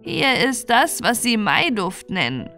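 A woman voicing a boastful, chatty old bog witch who explains her wares in an animated, matter-of-fact way for a fairy tale. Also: a little high, unhurried, faint music behind, full character voice. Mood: proud, sly.

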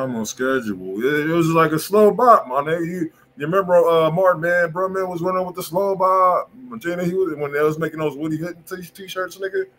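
A man's voice: medium pitch, fairly bright tone, slight background noise, poor audio. A man with an American accent hosting a music review in casual, slangy, profane talk full of repeated catchphrases. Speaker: music review show host. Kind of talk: casual chat, live music feedback. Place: indoor room, livestream.

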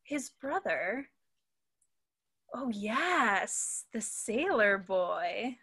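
A woman's voice: on the high side, big pitch swings, drawn-out words, a bit bright, slightly rough, exaggerated voice. A young woman playing a teasing, wry backstage friend in a staged reading. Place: room at home, video call.

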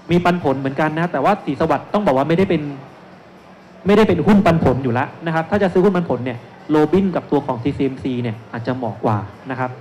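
A man in his thirties with a slightly mellow voice on the high side presents at an investment seminar as a securities analyst and panel speaker. Standing on an indoor stage at a shopping mall expo with a handheld mic, he explains things step by step using frequent polite particles, amid noisy live-event sound.

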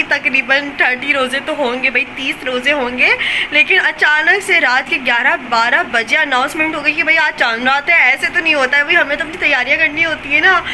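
A woman vlogging at home in a rapid, chatty way, talking straight to her phone camera. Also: high-pitched, pushed and bright, a little hiss or hum, poor audio. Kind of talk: casual home vlog. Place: home, indoors.

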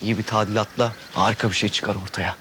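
A gentle, rambling young architect. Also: male voice, on the low side, level tone, fast talker, slight background noise. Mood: enthusiastic. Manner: soft-spoken, rambles with enthusiasm, self-conscious. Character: gentle young male architect-turned-rose-grower, talkative. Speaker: actor in a TV drama. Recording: loud music under the voice. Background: loud guitar music.

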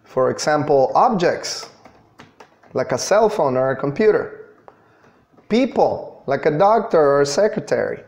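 A man in his thirties giving an online English grammar lesson in a deliberate, instructional manner, stressing key words. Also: on the high side, animated, darkish tone. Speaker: English teacher. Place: small indoor room.

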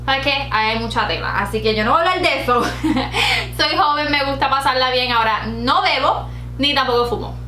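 Speaking Puerto Rican-accented Spanish with English words dropped in, a woman in her late twenties giggles through a beauty vlog to a camera at desk distance in a bright home room lined with shelves. Her high-pitched voice is bright and forceful at normal speed, and the roomy sound carries soft background music.

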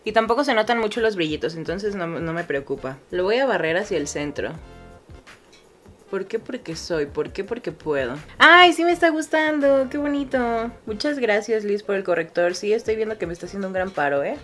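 A woman's voice: fairly low pitch, expressive, a little fast, faint music behind. A young woman with a Mexican accent chatting casually through a makeup tutorial, self-mocking and swearing freely. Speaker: beauty vlogger.

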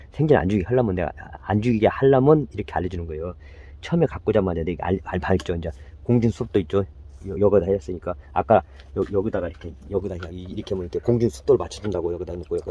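A man's voice: low voice, warm tone, breathy edge. A man giving a casual, repetitive how-to on caring for a potted plant, talking straight to viewers. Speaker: plant care instructor.

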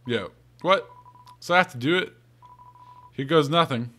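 A man voicing a clumsy, excitable young monster in a video game, hesitant and slangy, stammering as he goes. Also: fairly high pitch, measured pace. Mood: nervous, awkward. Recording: game music behind the voice.

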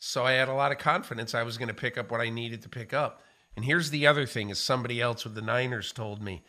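An older man talks football in a casual studio discussion, his voice bright and forward. He speaks in an animated way into a studio mic in a small room. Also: mid-range voice, fast. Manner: animated, gestures with hands while talking. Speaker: football analyst co-host. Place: small studio with framed pictures. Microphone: studio mic on boom arm.

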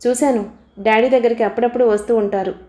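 A woman's voice: on the high side, fairly even intonation, fast, dark tone, lightly acted. A woman reading the part of an eager, devoted young man who talks in a pleading, earnest way.

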